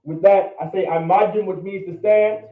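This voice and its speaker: A high-pitched male language teacher with fairly even intonation speaks at normal speed in a classroom lecture. He repeatedly checks understanding with "all right?" and pushes his points emphatically. The audio is phone-like, with echo from the room.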